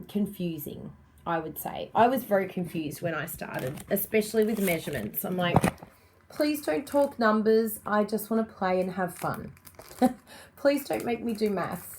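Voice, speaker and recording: Aussie lady with a bit of a croaky voice, chatty and upbeat, middle-aged, normal pitch, live stream crafting chat. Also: a little mellow, slight background noise. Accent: Australian. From Australia. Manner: chatty, upbeat, greets viewers by name. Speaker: card-making demonstrator.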